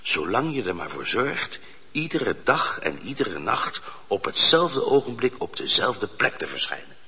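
An actor playing a humble, earnest poacher in a radio drama, explaining himself deferentially and insistently. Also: male voice, mid-range voice, big pitch swings, a little slow, bright, forceful tone, slightly rough, full character voice. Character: humble, earnest male poacher held prisoner. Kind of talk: Dutch radio drama acting. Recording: muffled, reverberant radio drama recording.

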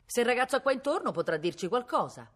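A woman reading aloud voices a pair of rough male constables who speak bluntly yet deferentially. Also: fairly high pitch, sing-song, quick pace, pitched above the performer's own voice. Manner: loud shouting, then obsequious. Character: two rough male policemen, deferential to nobility.

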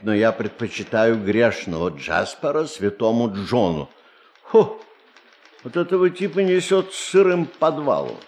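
A man acting a worldly, irritable, suspicious bank man in an audio drama, expressive and sardonic. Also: mid-range voice.

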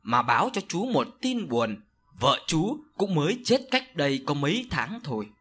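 A man's voice: a little high, very animated, bright, forceful tone. A man doing a stern old village sorcerer. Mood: grave. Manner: slow, solemn, scolding. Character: older male village sorcerer, stern and grave.

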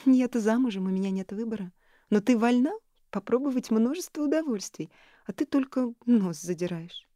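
A woman reading an audiobook, voicing a lively, teasing young married woman who is insistent and hungry for gossip. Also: a little high, moderate pace, dry recording, clean studio sound, voice pushed up, close to an everyday voice.

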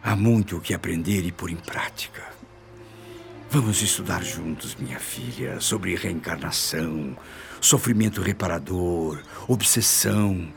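Deep, gravelly, tormented Brazilian father. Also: faint music behind. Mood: tender, earnest. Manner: solemn, earnest, deliberate phrasing. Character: tormented, repentant father seeking faith and self-control. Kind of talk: radio drama acting.

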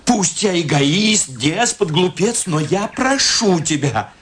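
An actor playing an irritable, self-pitying middle-aged husband in a radio play, spluttering and hesitant with theatrical outbursts. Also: male voice, sits high, sing-song, slow pace, a bit bright, exaggerated voice. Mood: pleading. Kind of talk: Russian radio play acting.

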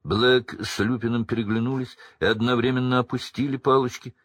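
A man narrating an audiobook with an expressive reading. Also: mid-range voice, a little fast, no echo.

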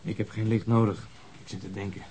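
An actor playing a gruff, brooding, stubborn police detective in a radio drama, with a grumbling, sardonic manner. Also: male voice, lowish voice, level tone, a little fast, noisy background, close to an everyday voice. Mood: brooding, indignant.

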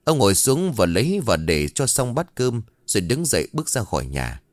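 Expressive low-voiced male horror narrator. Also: moderate pace, dry recording. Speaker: storyteller. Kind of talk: scripted horror story narration.

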